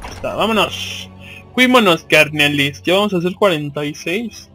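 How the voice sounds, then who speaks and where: A man's voice: a little high, lively intonation, normal speed, pushed and bright, soft background music. A man with a Mexican accent giving casual, slangy, profanity-laced commentary as he plays a video game.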